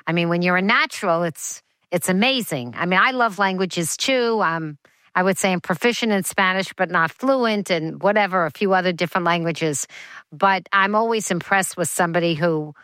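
A woman hosts an interview in a chatty, enthusiastic way. Her voice is smooth and resonant, recorded close and dry. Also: on the low side, normal speed, fairly bright tone, no echo, poor audio. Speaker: radio or podcast host. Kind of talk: interview hosting.

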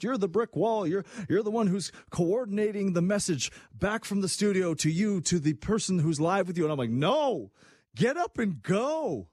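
A man's voice: sits high, dry recording, studio quality. A man hosting a sports talk show, chatting casually and acting out the voices he quotes. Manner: animated, acts out quoted voices. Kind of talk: casual chat.

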